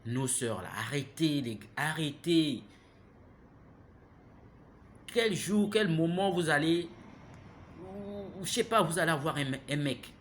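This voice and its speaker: A man, giving an impassioned, preachy monologue that keeps turning to the listener with "hein?" and grows loud and heated. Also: a little high, animated, slow pace, long pauses, a little hiss or hum. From Gabon. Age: 30s. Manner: preachy, repeats himself, asks listeners "hein?". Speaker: vlogger.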